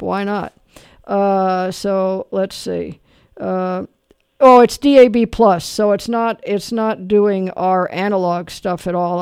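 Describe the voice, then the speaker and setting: Smooth-voiced host, dry and close. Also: mid-range voice, darkish tone, no echo. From Canada. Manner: rambling, self-deprecating, full of fillers. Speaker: radio show host. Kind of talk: casual radio talk.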